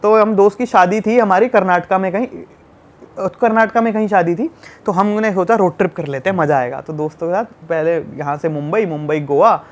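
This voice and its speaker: High-voiced young man telling a story. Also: moderate pace. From Delhi, India. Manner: animated storyteller, acts out shouting scenes. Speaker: travel YouTuber guest. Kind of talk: casual podcast storytelling.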